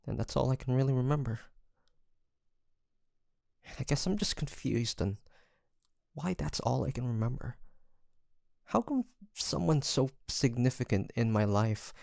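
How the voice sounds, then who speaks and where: A man acts out a wounded, tender-hearted hunter in an intimate roleplay drama. His mid-pitched voice is slow and creaky, with soft, hesitant phrasing. The sound is very dry and close, as if confiding in one listener. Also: lively intonation, dry recording. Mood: sad, confiding. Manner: hesitant, halting, sighing, soft-spoken. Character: weary, guarded young demon hunter, tender and wounded.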